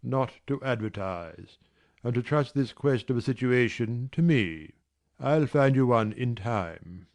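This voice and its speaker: A man playing a gruff teasing gentleman. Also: mid-range voice, animated, measured pace. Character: brusque teasing gentleman employer, middle-aged. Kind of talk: dramatized classic novel reading.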